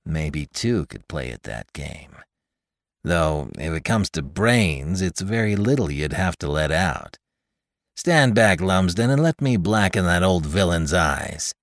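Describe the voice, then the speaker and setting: A man's voice: sits low, sing-song, slow, no echo, studio quality, heavily acted. A man voicing a drunk, sneering male troublemaker with a slurred, taunting manner.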